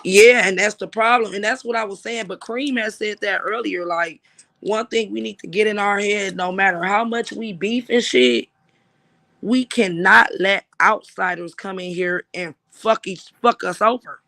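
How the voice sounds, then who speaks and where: High-voiced man ranting on a livestream. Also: normal speed, gravelly, bright, forceful tone. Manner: emphatic, profane, repeats "like I said". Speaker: livestream host. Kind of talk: casual livestream talk.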